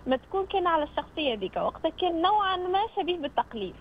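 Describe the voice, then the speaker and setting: A nineteen-year-old woman with a Tunisian accent calls into a radio phone-in as a guest; she's an amateur voice actor. Her extremely high, sing-song voice races along, yet she sounds casual and hesitant, searching for words. The phone line is dull and noisy.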